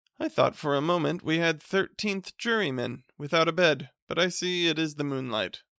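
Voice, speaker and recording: Putting on a character voice, a man speaks at a fairly high pitch and moderate pace, resonant and with ordinary pitch variation. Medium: read story. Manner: polite, obliging, pleasant.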